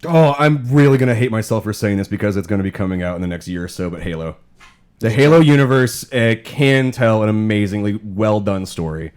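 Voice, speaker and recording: A man's voice: on the low side, lively intonation, fairly quick, darkish tone, clean tone. A man chatting casually and bluntly as a podcast panelist, swearing freely and giving strong opinions. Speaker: panelist on a video game podcast.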